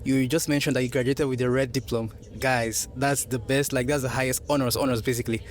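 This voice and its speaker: A man's voice: medium pitch, steady tone, fast talker. A man hosting a video, interviewing a guest with upbeat, friendly questions and turning to viewers as "guys". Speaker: interviewer and vlog host. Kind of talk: scripted narration and casual interview.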